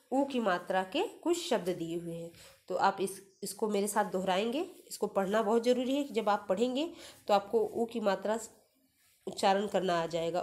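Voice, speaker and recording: A woman teaching a first-grade Hindi lesson, slowly spelling out each syllable before saying the whole word. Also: medium pitch. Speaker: primary school Hindi teacher. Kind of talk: online class lesson, reading words aloud syllable by syllable.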